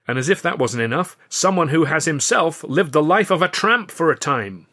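A man's voice: on the high side, lively intonation, moderate pace, sharp tone, voice pushed up. A man voicing a showy male film studio boss making a grand announcement in an audiobook. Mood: grand announcing. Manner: announcing, salesman-like build-up. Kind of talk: audiobook character voice.

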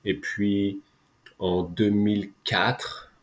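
A man's voice: lowish voice, little pitch movement, drawn-out words. A middle-aged man from France with a French accent, talking casually as an interview guest, hesitant and repeating words as he goes. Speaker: interview guest, tech company co-founder.

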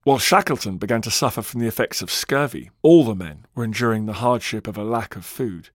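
A man's voice: lowish voice, brisk, dry recording, clean studio sound. A man narrating a scripted history documentary with dramatic, varied emphasis.

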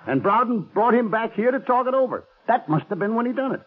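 An actor playing a shady, scheming ex-convict carnival showman in a 1940s radio crime drama, with rough, slangy speech. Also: extremely high pitch, lively intonation, quick pace, exaggerated voice. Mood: defensive, insistent. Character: shady carnival gorilla-show man, scheming blackmailing ex-convict. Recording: muffled vintage 1940s radio recording.

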